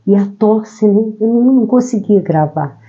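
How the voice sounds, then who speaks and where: A woman from Brazil, hoarse from a cold, gently explaining a Gospel passage verse by verse. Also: mid-range voice, animated, normal speed. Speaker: Bible teacher. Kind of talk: devotional Gospel commentary. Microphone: own microphone. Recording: slightly dull lo-fi recording.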